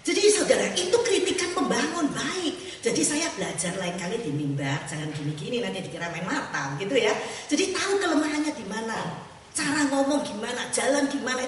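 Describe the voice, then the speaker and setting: A woman evangelist preaching a sermon in a church, lively and warm with laughter, acting out the voices she quotes. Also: high-pitched, brisk, slight background noise. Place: church sanctuary. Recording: echoey church hall, mic at a distance.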